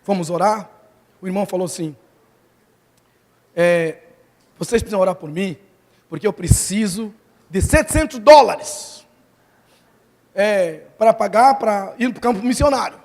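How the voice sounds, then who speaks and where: Animated man preaching in a reverberant hall. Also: sits high, unhurried, pauses often. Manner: animated storytelling, acts out quoted voices. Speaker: missionary preacher. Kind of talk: storytelling sermon. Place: large church hall. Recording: long hall reverb from the church.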